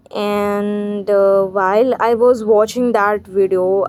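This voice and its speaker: A woman talks with an Indian accent. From India, Bihar (Patna). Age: 20s. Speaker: English learner YouTuber. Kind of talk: casual vlog talk to camera. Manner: upbeat.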